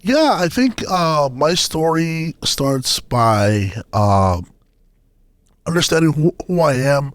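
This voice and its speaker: A man from Sudan speaking as a podcast guest, telling his personal story in a halting, hesitant way. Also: on the high side, big pitch swings, no room sound.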